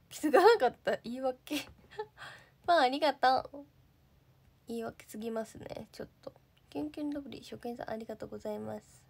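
A slightly high-voiced young woman from Japan chats casually into her phone. She sounds bubbly and talkative as she reads viewer comments and thanks them one by one. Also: vocal fry, a little mellow, breathy edge. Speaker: idol livestreamer. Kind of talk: casual livestream chat reading comments.

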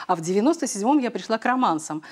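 A woman's voice: medium pitch, big pitch swings, racing. A middle-aged woman, a singer, answering interview questions in a TV studio, chatty, with frequent hesitations, on a lapel mic. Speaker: guest singer.

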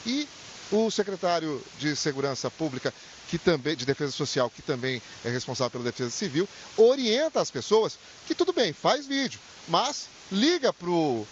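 A middle-aged man with a Brazilian accent reporting live from a city street into a handheld mic, conversational and animated, sometimes restarting phrases. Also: high-pitched. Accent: Brazilian Portuguese. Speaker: field reporter. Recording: slightly dull with faint hiss.

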